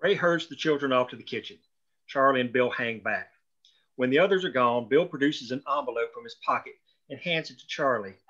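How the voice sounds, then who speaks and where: A man reads screenplay stage directions. His mid-range voice is bright and forceful, though the recording is lo-fi and a bit dull. The delivery is scripted narration. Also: mid-range voice, brisk. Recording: dull lo-fi audio.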